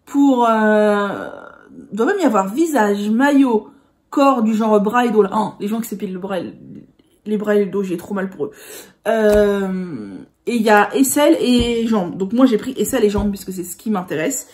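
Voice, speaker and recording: A woman's voice: medium pitch, moderate pace, darkish tone. A woman vlogger chatting casually about products, rambling with many hesitations.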